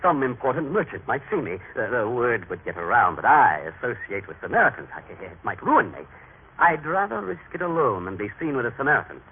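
A man playing an anxious, proud and devout merchant husband in a radio drama, in an acted, sometimes halting manner. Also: medium pitch, big pitch swings, slight background noise. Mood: uneasy, brisk. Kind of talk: old-time radio drama acting. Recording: thin, narrow-band old radio recording with music.

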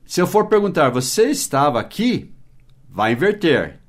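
A man teaching English in a mini-podcast, spelling words letter by letter and slowing down for the English examples. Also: a little high, sing-song. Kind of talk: mini-podcast language lesson.

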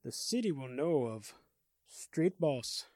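A shadowy robed crime boss who keeps his voice low and hands out orders without raising it, voiced by a man reading the tale. The delivery is slow and measured, recorded close and dry. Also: big pitch swings, warm tone, dry recording. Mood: commanding.

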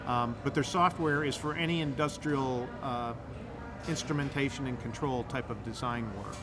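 A man from the Midwest, a guest on a podcast, explaining at length in a rambling, enthusiastic way with frequent restarts. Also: mid-range voice. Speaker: guest, incubator director. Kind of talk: casual podcast interview.

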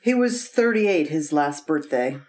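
An actress playing an attentive, concerned wife in an old-time radio drama, polite and solicitous. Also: female voice, low-pitched, expressive, measured pace, a little mellow. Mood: worried.

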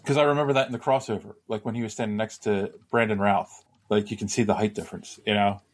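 A man's voice: lowish voice, steady tone, fast. A man hosting a casual podcast chat, rambling and hedging his points and laughing often. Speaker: podcast host.

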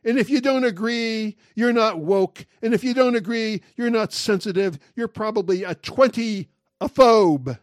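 A man in his sixties hosting a solo talk show, talking in a wry, animated, joking way. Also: high-pitched, a little slow, dry recording, studio quality. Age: 60s. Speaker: podcast host.

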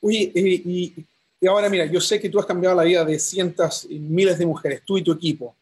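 A man with a high, husky voice conducts an interview, asking questions with many fillers. He sounds encouraging and friendly. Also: fairly even intonation, a little fast, darkish tone.

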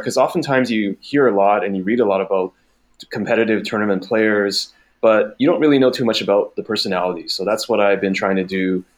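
Here is a man in his thirties who grew up in Taiwan, guesting on a podcast. His voice sits a little low, and he talks things through thoughtfully, often restarting a phrase. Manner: thoughtful, many small restarts. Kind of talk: casual interview chat.

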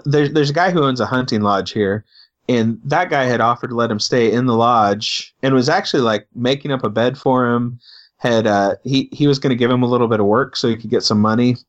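Male pastor, casual storyteller, halting delivery, average pitch, dull lo-fi recording. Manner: halting, repeats words as he talks.

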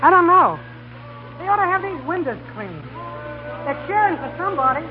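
An actor playing an earnest, boyish young college student in a 1930s radio comedy. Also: male voice, very high-pitched, very animated, moderate pace, soft background music. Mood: annoyed. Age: young adult. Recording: scratchy, tinny 1930s radio broadcast.

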